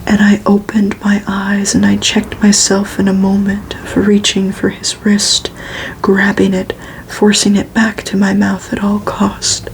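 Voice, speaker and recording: A woman reading a gothic novel aloud for ASMR in a breathy, unvoiced whisper, hushed and deliberate, with pauses between phrases. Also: medium pitch, monotone, a little hiss or hum, rough recording. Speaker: ASMR reader.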